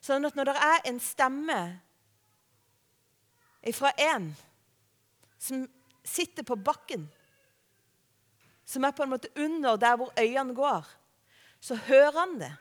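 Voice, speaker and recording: A woman with a high voice gives a sermon in a relaxed, conversational way, often turning to the listeners with rhetorical questions. Her voice carries a long reverb from a church hall. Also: pauses often. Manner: conversational, warm-hearted preaching with rhetorical questions. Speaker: preacher.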